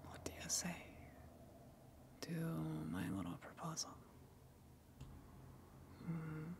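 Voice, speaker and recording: A woman playing a gentle, coaxing eldritch tentacle monster in an ASMR roleplay, speaking hesitantly and considerately with long pauses. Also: fairly low pitch, vocal fry, noisy background. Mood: apologetic, coaxing.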